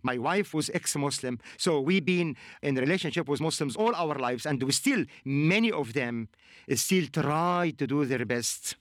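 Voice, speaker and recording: A man from Egypt with an Egyptian accent, preaching and praying on a radio program in an earnest, emphatic, deliberate manner. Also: on the high side, animated, dry recording, studio quality. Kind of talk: radio sermon with prayer.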